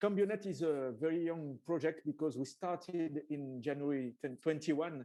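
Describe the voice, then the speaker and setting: Hardly any pauses break up this man's speech in a French accent. His pitch sits fairly high, with ordinary pitch variation. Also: moderate pace. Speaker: research project presenter. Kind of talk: conference presentation. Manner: halting, with many fillers.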